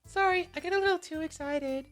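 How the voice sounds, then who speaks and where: A man's voice: very high-pitched, a little fast, soft background music, voice pushed up. Man squealing as a bubbly schoolgirl. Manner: squealing, gushing, over-excited. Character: bubbly cheerful teenage schoolgirl.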